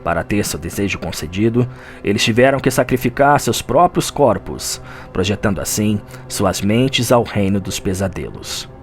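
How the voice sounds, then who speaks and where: A grave Brazilian lore scholar acted by a man tells a dark gothic nightmare tale for an audio drama. His voice sits on the low side and his delivery is theatrical. Music plays clearly underneath him. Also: expressive, moderate pace. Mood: solemn, explanatory.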